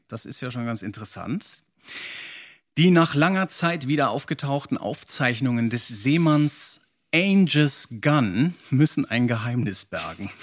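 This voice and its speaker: Creaky-voiced man in casual podcast banter. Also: mid-range voice. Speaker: podcast co-host. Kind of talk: casual banter, some reading aloud.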